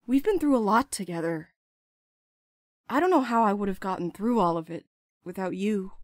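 A woman's voice: medium pitch, animated, moderate pace, no echo, studio quality, natural voice. A woman playing a restless, blunt courier in an audio drama, urgent and sardonic, eager to escape. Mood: earnest, confessing.

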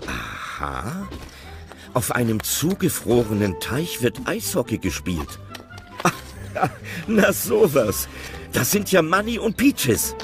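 Slow, lively audio-play narrator man. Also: medium pitch, gravelly, over music. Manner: chatty, wondering.

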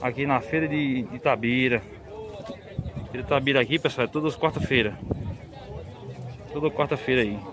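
A man's voice: medium pitch, normal speed, long pauses, rough recording. A man, walking through outdoor cattle pens and chatting to viewers about the animals and prices. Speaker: vlogger filming a cattle market. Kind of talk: casual walk-around commentary. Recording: outdoor market crowd noise.

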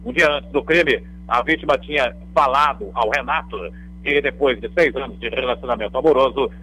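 Radio crime reporter, middle-aged man, husky, chatty bulletin delivery. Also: mid-range voice, brisk, bright, forceful tone, poor audio. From Brazil. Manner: conversational newsreading with fillers and tag questions. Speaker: police beat reporter. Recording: radio broadcast audio.

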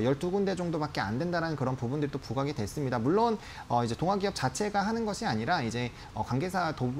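A man's voice: a little high, a little hiss or hum. A man in his thirties giving polite, explanatory market analysis as a guest on a studio stock show. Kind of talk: live market analysis commentary. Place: TV studio desk.

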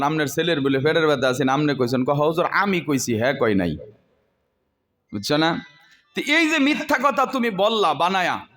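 A man's voice: very high voice, pushed and bright. A man from Bangladesh preaching a sermon to madrasa students, telling a story and questioning them directly. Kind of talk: Bengali waz sermon.

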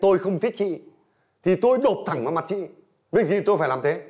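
A man's voice: sits high, animated, quick pace, a little mellow. An actor playing a hot-tempered, proud old man in a nursing home, scolding and defensive. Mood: indignant. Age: older. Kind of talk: TV drama acting.

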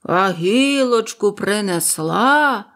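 A woman voicing a kind, sorrowful old grandfather who speaks gently and quietly. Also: medium pitch, lively intonation, slow pace. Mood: gentle.

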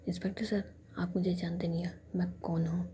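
A woman's voice: lowish voice, level tone, a little fast, dark tone, slight background noise, lightly acted. A woman voicing a brash, boastful young man in a whispery, indignant tone.

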